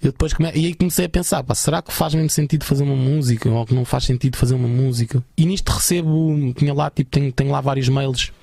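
A man's voice: medium pitch, quick pace, gravelly, few pauses, mellow, no room sound, clean studio sound. A young man with a European Portuguese accent, a guest musician telling a story in a chatty, slangy way. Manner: chatty, many fillers, slangy. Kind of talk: casual storytelling.

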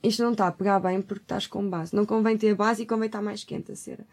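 A woman's voice: mid-range voice, fairly even intonation, fast, a little mellow. A woman with a European Portuguese accent chatting casually and informally as a podcast co-host, using plenty of slang. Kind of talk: casual chat.

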